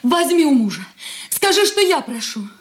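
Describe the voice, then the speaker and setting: An actress playing a desperate sister begging for money, tearful and pleading, in a radio drama. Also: female voice, high-pitched, big pitch swings, normal speed, roomy sound. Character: desperate pleading poor sister, middle-aged woman. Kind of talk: 1980s radio drama acting.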